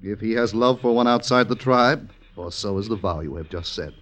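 An actor plays a grave gypsy avenger in a low voice, guarding the vows of his tribe. His delivery is deliberate, conspiratorial and portentous, in old radio drama style. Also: a bit bright, natural voice. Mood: grimly solemn.

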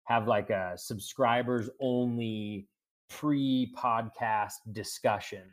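A man's voice: mid-range voice, fairly even intonation, slow pace. A man hosting a podcast while sick with a cold, his voice cracky, sniffling and coughing as he chats with enthusiasm and plenty of fillers. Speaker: podcast host. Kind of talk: casual podcast chat.

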